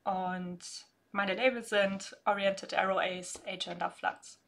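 Bright-voiced young woman podcaster. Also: mid-range voice, little pitch movement, slow, creaky. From North Rhine-Westphalia, Germany. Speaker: podcast co-host. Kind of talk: casual podcast discussion.

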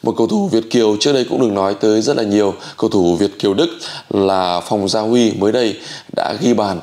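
A man in his forties hosting sports news commentary to camera, with hesitant pauses. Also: fairly low pitch, a little mellow. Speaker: host. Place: small indoor room.

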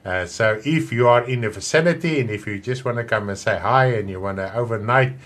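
A man in his fifties with a South African accent, an Afrikaans speaker, chatting warmly and rambling through a church broadcast welcome from his home. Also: mid-range voice, fairly quick. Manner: chatty, rambling, with many restarts and hand gestures. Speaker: pastor. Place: home room with wall of plates, indoors.

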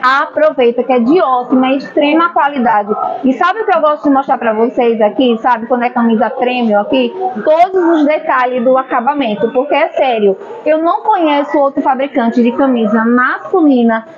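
Gushing high-voiced Brazilian woman in a shop. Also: normal speed, hardly any pauses. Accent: Brazilian Portuguese. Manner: gushing, keeps calling viewers "minha gente". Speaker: vlogger showing a clothing wholesaler. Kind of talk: enthusiastic sales vlog. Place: clothing shop, indoors. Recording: slightly muffled, busy market crowd behind.

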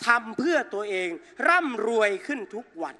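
Male protest orator with a very high voice, combative and scornful, working a big outdoor crowd from the stage. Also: animated, moderate pace, bright, forceful tone. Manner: combative, mocking, addresses the crowd as brothers and sisters. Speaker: protest rally speaker. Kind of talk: fiery political rally speech. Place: outdoor rally stage in a park.

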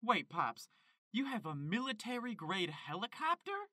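A man's voice: high-pitched, big pitch swings, normal speed, pushed and bright, no room sound, exaggerated voice. A man playing an earnest, naive young chicken farmer in a comedic audio drama. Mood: uncertain.

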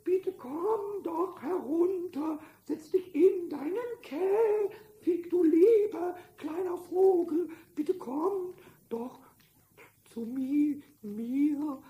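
A man voicing a small, cheeky, impulsive kobold in a children's radio play, squeaky and stammering with repeated words. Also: drawn-out words, dull audio, heavily acted. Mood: pleading. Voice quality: squeaky, high-pitched. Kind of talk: 1970s German children's radio play acting. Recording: noisy old vinyl radio-play recording.

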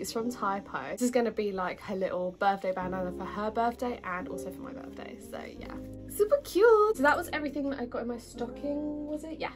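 A woman's voice: medium pitch, fairly bright tone. Bubbly young British woman vlogger. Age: young adult. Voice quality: slightly husky from a cold. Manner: bubbly, giggly, informal. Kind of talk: casual chatty haul vlog.

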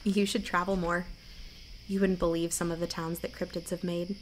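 A woman's voice: on the low side, flat delivery, normal speed, a little hiss or hum, close to an everyday voice, rough recording. A woman playing a candid, apologetic small-town local in an audio drama. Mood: wry.

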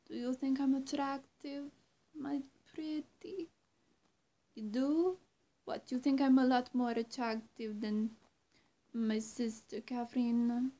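Woman playing a high-voiced, coy female vampire. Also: warm tone, exaggerated voice. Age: young adult. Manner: coy, halting, cooing endearments. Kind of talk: ASMR-style roleplay addressed to the viewer. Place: small indoor room, seated on a bed. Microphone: camera or phone at arm's length.

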